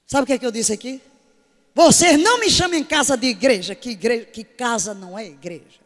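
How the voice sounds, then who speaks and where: A woman's voice: on the high side, animated, a little fast, long reverb tail. A woman preaching a sermon to her congregation in an emphatic way, full of rhetorical questions. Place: church service.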